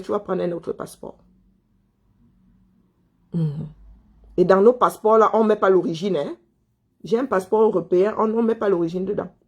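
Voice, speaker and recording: With a mid-range, darkish voice that's slightly rough, a Cameroonian woman answers viewers as a commentator. She scolds her listener in a heated monologue, repeating points and asking rhetorical questions.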